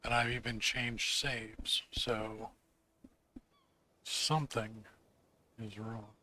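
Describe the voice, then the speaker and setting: Hoarse man casually narrating gameplay. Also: lowish voice, level tone, extremely slow, pushed and bright. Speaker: gaming channel host. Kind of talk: casual let's-play commentary.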